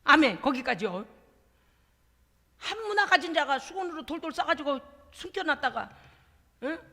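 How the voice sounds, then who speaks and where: A woman pastor preaching a church sermon, animated and exclamatory, laughing often and making folksy, chatty asides to her congregation. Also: high voice, normal speed. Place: church service. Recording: echoey church hall.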